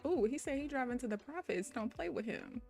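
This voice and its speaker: A young Missouri day trader talks animatedly and a little fast during her livestream, chatting with viewers and laughing often. Her voice sits high but is creaky with a darkish tone, and faint music plays behind her.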